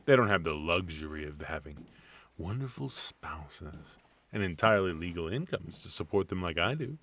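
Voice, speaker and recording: A man's voice: deep voice, expressive, normal speed, a bit bright, full character voice. A man playing a retired supervillain husband in a comedic ASMR roleplay, teasing and doting with a theatrical, conversational delivery. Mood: wry, teasing.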